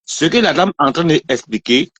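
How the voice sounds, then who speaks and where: A man's voice: on the high side, expressive, moderate pace, a bit bright, husky, dry recording. A man from Côte d'Ivoire, calling in and insisting on his point. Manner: insistent, repeats himself. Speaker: caller.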